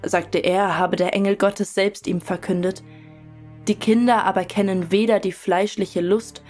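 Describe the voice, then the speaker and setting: A woman's voice: mid-range voice, fairly even intonation, unhurried, darkish tone, lightly acted. A woman playing a devout follower in a German audio drama, giving earnest, reverent testimony about her youth. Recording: music under the voice.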